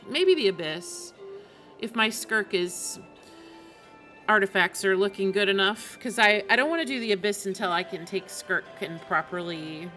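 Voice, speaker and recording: Woman game streamer just chatting, rambly, thinking out loud, mid pitched voice, game music going behind her. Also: normal speed. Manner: informal, rambling, thinking aloud. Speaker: video game live streamer. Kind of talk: casual chat while streaming a game. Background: video game music.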